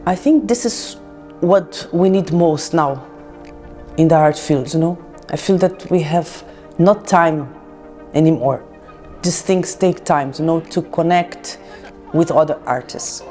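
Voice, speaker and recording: A woman artist speaking slowly and deliberately in an interview. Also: deep voice, mellow, soft background music. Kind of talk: interview testimonial.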